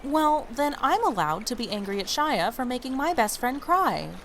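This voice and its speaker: A woman's voice: sits high, very animated, moderate pace, a little hiss or hum. A woman playing a feisty, blunt young woman, a protective best friend with a casual, sassy way of talking, in an audio drama. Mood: protective, indignant.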